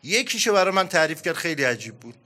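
A middle-aged man delivers a sermon in storytelling mode, voicing the people in his tale. His voice is bright and forceful, and his pitch and loudness move from hushed to loud as he tells it. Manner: animated storytelling, acting out quoted dialogue. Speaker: preacher.

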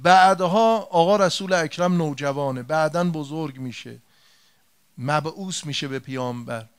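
A man's voice: high voice, fairly bright tone, clear, resonant tone. A man preaching a religious sermon, retelling an old story in a colloquial way and turning to his listeners with direct rhetorical questions and emphatic repetition.

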